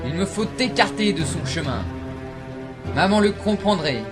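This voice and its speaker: A man's voice: sits high, lively intonation, measured pace. A man playing a grave, theatrical warrior who is cold but secretly loving, in an amateur anime parody. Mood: sorrowful, resolute. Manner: solemn, theatrical, shouts attack names. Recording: amateur recording under loud music.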